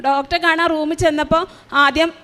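A mother giving an earnest, tearful church testimony, retelling her story with slow pauses. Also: high-pitched, little pitch movement, sharp tone. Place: large shrine hall. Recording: long reverb of a large hall.

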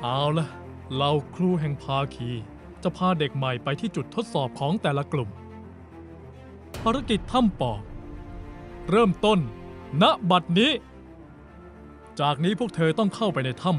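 A man's voice: fairly high pitch, animated, unhurried, pauses often, soft background music. An actor playing a commanding, showy male teacher of a mystic guild in a motion-comic drama. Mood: rousing, commanding.

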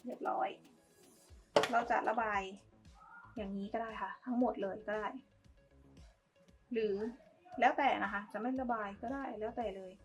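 A woman's voice: a little high, steady tone, moderate pace, long pauses, highs cut off, over music. A woman giving a casual, polite step-by-step craft tutorial, talking as she demonstrates. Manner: informal, polite, talks while demonstrating.

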